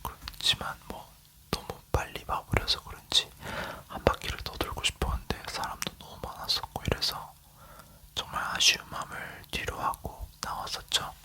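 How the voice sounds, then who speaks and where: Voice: moderate pace, sharp tone. Whispering ASMR storyteller, leaning in close. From South Korea. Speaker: ASMR creator. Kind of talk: whispered ASMR casual chat, telling a travel story.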